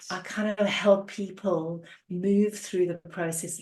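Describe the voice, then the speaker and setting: Somewhat breathy, a woman speaks with a South African accent and fairly even intonation. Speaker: energy coach. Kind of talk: interview.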